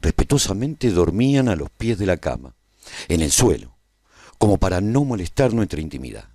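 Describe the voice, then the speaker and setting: An actor playing a tender, reflective survivor who narrates a post-apocalyptic radio serial in a measured, solemn way. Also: male voice, sits low, sing-song, mellow, no room sound, studio quality, heavily acted. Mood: tender, nostalgic. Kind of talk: scripted first-person narration for a radio serial.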